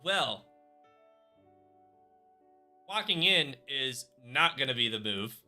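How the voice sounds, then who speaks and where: A man's voice: medium pitch, lively intonation, slow, bright, forceful tone, soft background music. A man narrating as dungeon master of a tabletop game, rambling and hesitant with many fillers.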